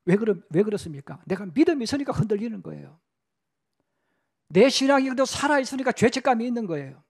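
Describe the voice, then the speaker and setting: A middle-aged Korean pastor preaching in a church, his voice sitting high for a man. He mixes lively storytelling with little acted-out quotes and talks to the congregation like it's a conversation. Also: fast, creaky, breathy edge. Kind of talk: sermon. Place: church sanctuary.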